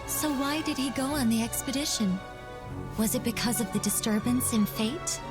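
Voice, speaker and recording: A woman voicing a composed female storyteller in a game, recounting history in a measured, formal way. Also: a little high, natural voice. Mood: measured, solemn. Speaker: game character narrating past events. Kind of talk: scripted game voice acting, narrative. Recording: loud music behind the voice. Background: loud game music.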